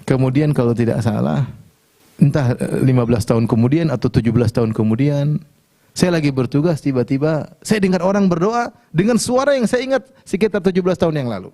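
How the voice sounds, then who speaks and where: A man preaching in a storytelling way, animated as he tells the tale and voices the people in it. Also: fairly high pitch, fairly quick. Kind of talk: storytelling religious talk.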